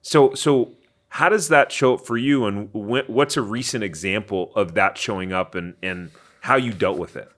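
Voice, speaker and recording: Male podcast host, low-pitched, halting and searching as he asks questions. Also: a bit bright. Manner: hesitant, reframes his questions as he goes. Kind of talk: casual interview questions.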